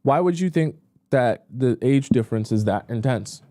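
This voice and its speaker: Mellow-voiced man giving dating advice. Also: mid-range voice, animated, normal speed, dry recording, clean studio sound. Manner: casual, chatty, frequent fillers, reacts with disbelief while reading. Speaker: dating coach. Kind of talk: live-stream advice, reading viewer questions aloud.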